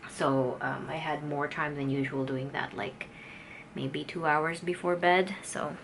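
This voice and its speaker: A woman's voice: low-pitched, fairly even intonation, a little slow, vocal fry, fairly bright tone, slight background noise, low-quality recording. A woman in her thirties with a light Filipino accent, chatting casually and rambling to her vlog camera and losing her train of thought. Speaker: vlogger and artist. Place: home studio and walking outdoors.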